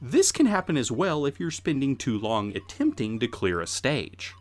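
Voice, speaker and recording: A man's voice: mid-range voice, wildly swooping pitch, normal speed, faint music behind. A man giving scripted, informative narration as a retro game presenter, with emphatic, explanatory phrasing.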